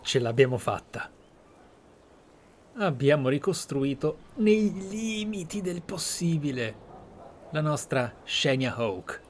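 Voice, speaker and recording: A man giving emphatic, dramatic let's play commentary with deliberate pauses. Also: a little high, very animated, slight background noise. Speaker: gaming streamer, host.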